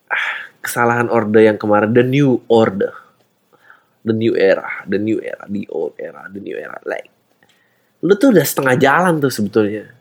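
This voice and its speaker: This male podcast host has a mid-range, slightly dark voice. His monologue is a satirical comedy rant, full of exasperation, with English curses dropped into his slang.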